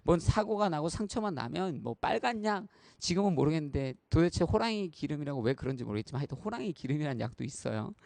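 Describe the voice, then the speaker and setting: A man's voice: a little high, expressive, fast, gravelly, few pauses, darkish tone, no echo. A man in his thirties preaching a sermon as a pastor, earnest and conversational, often turning to address the congregation directly and telling personal stories. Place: church.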